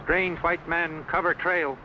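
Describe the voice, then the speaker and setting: An actor playing a solemn, awestruck tribal scout who speaks in stilted, broken sentences, in an old adventure drama. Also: male voice, a little high, fairly even intonation, slow pace. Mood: suspicious. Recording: dull old recording with faint noise.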